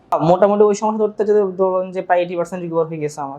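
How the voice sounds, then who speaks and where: With a high pitch and fairly even intonation, a man is speaking. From Bangladesh, Lakshmipur district. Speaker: patient's son. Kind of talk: testimony.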